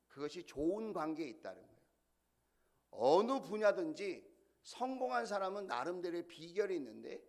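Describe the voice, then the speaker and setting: A middle-aged male senior pastor delivering a sermon, telling stories with animation and putting questions to the congregation. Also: on the high side.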